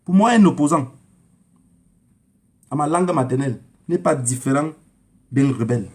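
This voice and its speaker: Male online commentator, notably high voice, emphatic and repetitive, haranguing his audience in informal monologue. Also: lively intonation, normal speed, a little mellow. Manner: emphatic, haranguing, repeats phrases for effect.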